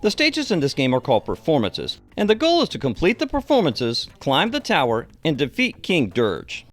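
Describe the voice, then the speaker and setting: A man's voice: fairly high pitch, huge pitch swings, normal speed, faint music behind. A middle-aged man reading an enthusiastic scripted video game review as its presenter.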